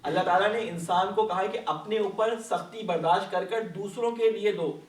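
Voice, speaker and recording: A man gives a patient Quran lesson, often asking his class questions. His voice sits high for a man. He is heard some distance in a big echoing mosque hall. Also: a little hiss or hum. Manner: patient, asks the class questions and answers them. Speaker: Quran study teacher. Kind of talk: explanatory religious lesson. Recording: echoey hall, voice from off-mic.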